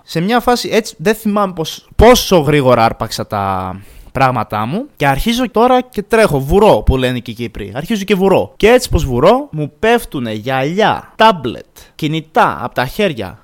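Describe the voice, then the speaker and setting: A young man in his twenties from Greece, telling a funny story casually as a podcast host and acting out the quotes with sudden jumps in pitch. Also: very animated.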